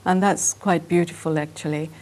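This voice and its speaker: A woman artist from Pakistan, a native Urdu speaker, answering interview questions in a reflective, soft-spoken way. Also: low-pitched, fairly even intonation, moderate pace.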